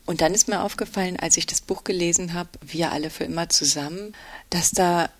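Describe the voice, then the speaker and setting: A co-host from the Ruhr area talking on a podcast in a relaxed, chatty way. The speech is agreeable and loose, with plenty of fillers and quick yeses. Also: medium pitch, dry recording. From Ruhr area, Germany. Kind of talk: casual podcast conversation.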